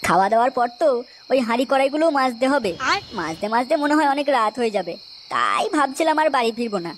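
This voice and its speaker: Woman voicing a high-pitched, sneaky cartoon young man. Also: expressive, fast talker, slight background noise, lightly acted. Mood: sheepish. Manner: crude, flustered, muttering asides. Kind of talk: exaggerated comic cartoon dialogue.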